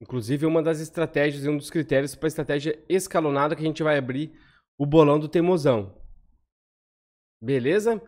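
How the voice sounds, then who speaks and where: A Brazilian man in his thirties talks through lottery number trends as he scrolls a spreadsheet. His voice sits a touch high and his delivery is quick and chatty. He keeps checking in with the viewer through little tag questions. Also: a little mellow. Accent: Brazilian Portuguese. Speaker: lottery analysis host. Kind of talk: casual spreadsheet walkthrough. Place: home room, on webcam over screen share.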